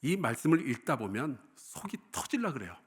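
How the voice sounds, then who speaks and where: Korean pastor preaching with lively swings. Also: male voice, medium pitch, a little fast, husky. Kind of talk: sermon.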